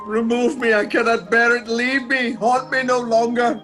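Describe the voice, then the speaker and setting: A man's voice: very high-pitched, level tone, moderate pace, fairly bright tone, faint music behind. A man playing a regretful, anguished old miser in a radio play, with a theatrical delivery. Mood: pleading, tormented.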